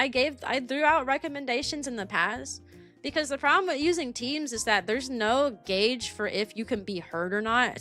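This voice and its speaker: Female streamer, high voice, rambling casual talk, music playing behind her. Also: a bit bright. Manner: rambling, repeats phrases for emphasis. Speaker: livestream host; kindergarten teacher. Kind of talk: casual livestream chat. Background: background music.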